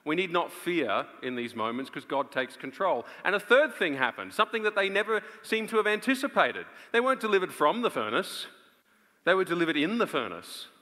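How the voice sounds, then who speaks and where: A man in his thirties preaching an earnest, emphatic live sermon with dramatic pauses on a large auditorium stage. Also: high voice, sing-song, sharp tone. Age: 30s. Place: on stage in a large theatre before an audience. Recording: reverberant large auditorium sound.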